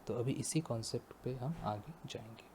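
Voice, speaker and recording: A male teacher slowly explaining a maths lesson step by step, often stopping to ask the class if it is clear. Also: medium pitch, warm tone, a little hiss or hum. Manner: slow, explains step by step and checks understanding. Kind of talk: math lecture.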